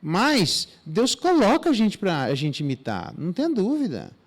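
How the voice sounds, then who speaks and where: A Brazilian pastor teaches through a Bible passage in his church. His pitch swings up and down as he talks, and he slips into slangy asides and acts out little dialogues. The delivery is casual and conversational, not a formal sermon. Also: huge pitch swings, moderate pace. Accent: Brazilian Portuguese.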